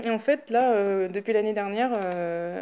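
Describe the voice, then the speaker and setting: The voice is dark and mellow, moving at a fairly slow pace with ordinary pitch variation. The recording is very clean, with a silent background. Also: woman. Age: 30s. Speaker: YouTuber, crafts hobbyist and postal worker. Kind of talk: casual chat. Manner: hesitant, many filler words.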